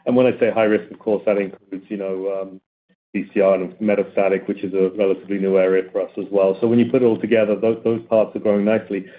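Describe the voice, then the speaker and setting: A man speaking as a company executive on an earnings call, explaining figures to analysts and often restating his words as he goes. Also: on the low side. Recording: tinny phone-like conference call audio.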